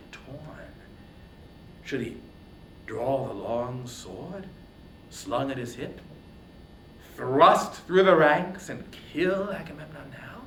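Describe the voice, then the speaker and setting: A man's voice: fairly high pitch, fairly bright tone. A man giving a dramatic, declamatory reading of epic poetry as narrator. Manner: theatrical, declamatory. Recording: roomy echo, faint background noise.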